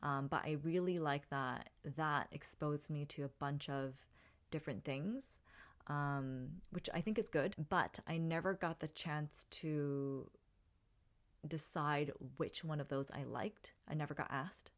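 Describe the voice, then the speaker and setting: Low-voiced woman, reflective podcast host. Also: measured pace. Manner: reflective, frequent ums and restarts. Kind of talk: solo podcast storytelling.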